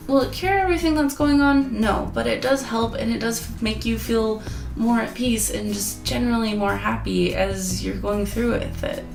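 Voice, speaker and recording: A young woman reviewing an app in a chatty, earnest, rambling way, hoarse as she loses her voice. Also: medium pitch. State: losing her voice. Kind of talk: casual review vlog. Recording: echoey room with guitar music.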